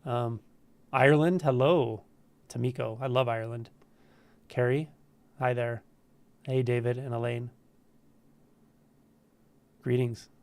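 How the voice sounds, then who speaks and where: A man with a cold and a stuffy voice, hosting a casual live Q&A stream, greeting viewers in a relaxed, friendly way with frequent ums. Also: medium pitch, slow pace, long pauses. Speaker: spiritual teacher hosting a live Q&A. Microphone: camera livestream setup.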